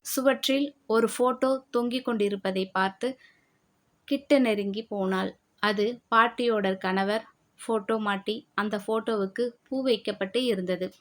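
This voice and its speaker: A woman narrating an audio novel in a steady storytelling voice. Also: medium pitch, normal speed.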